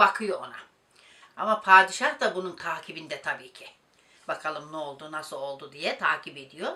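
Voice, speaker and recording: Bright, sharp tone at a fairly slow pace, with ordinary pitch variation. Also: woman. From Central Anatolia, Turkey. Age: old. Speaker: village storyteller grandmother. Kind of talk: folk tale telling.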